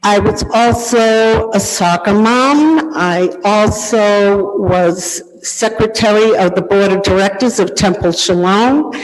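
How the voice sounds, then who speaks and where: A middle-aged woman from Medford speaking loudly and with rising passion during public comment at a council meeting. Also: medium pitch, slow pace, few pauses, soft background music. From Medford, Massachusetts. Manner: loud, impassioned, rising to shouting. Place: council chamber. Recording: reverberant hall, distant mic.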